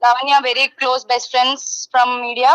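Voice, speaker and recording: A young woman giving her side in a heated phone interview, loud and insistent, often repeating herself and mixing in English. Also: high-pitched, flat delivery, extremely slow, muffled recording.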